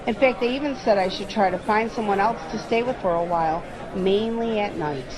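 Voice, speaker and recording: A woman acting in an audio drama as an expressive, chatty friend. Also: medium pitch, a little fast, lightly acted, poor audio. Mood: uneasy. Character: rattled woman, playful old friend, nostalgic for her teens. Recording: busy public background chatter.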